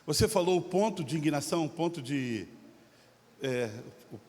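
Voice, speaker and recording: A man with a Brazilian Portuguese accent, a pastor preaching a sermon. He swings from shouted exhortation to relaxed, chatty storytelling. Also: fairly high pitch, moderate pace. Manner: impassioned, shifting from shouting to storytelling. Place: church sanctuary. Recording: long hall reverb.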